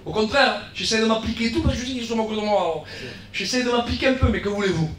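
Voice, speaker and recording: A man with a southern French accent preaching a sermon as guest pastor, building to shouts and dropping into quieter asides, often repeating himself. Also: high-pitched, very fast, a crowd in the background. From South of France. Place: church hall. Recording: echoey church, from far off.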